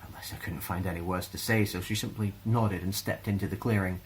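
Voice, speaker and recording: Male storyteller, Scottish, low voice, gentle and expressive reading of children's fantasy. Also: brisk, slight background noise. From Scotland.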